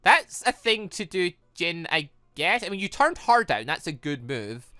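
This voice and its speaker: Animated, bright-voiced woman commentating on a game. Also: fairly low pitch, a little slow, dry recording. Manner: animated, exclaiming reactions. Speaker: let's play host. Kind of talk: excitable video game commentary, reading dialogue aloud.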